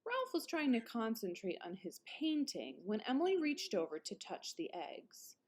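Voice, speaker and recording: A woman's voice: a little high, sing-song, normal speed, darkish tone. A woman reading picture books aloud as a teacher would to her class. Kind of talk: children's story read-aloud.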